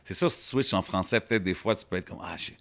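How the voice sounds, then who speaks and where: Low-voiced Québécois podcast host. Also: male voice, fast talker, fairly bright tone, no echo. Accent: Québécois French. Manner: laid-back, hip-hop slang in English and French. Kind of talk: casual podcast conversation.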